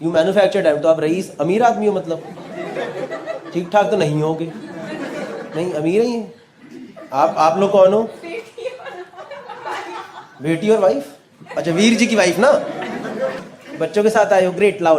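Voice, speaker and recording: High-voiced man doing stand-up. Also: measured pace, pauses often. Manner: animated, acts out both sides of dialogues. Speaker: stand-up comedian. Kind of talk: stand-up storytelling and crowd work. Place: comedy venue before a live audience. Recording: echoey venue with loud crowd laughter.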